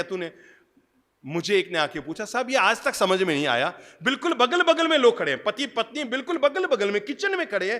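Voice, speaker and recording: A man giving a discourse sermon as a spiritual preacher, telling stories with sudden swings between loud and soft. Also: high-pitched. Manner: animated storytelling with dramatic swings in volume. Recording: long hall reverb.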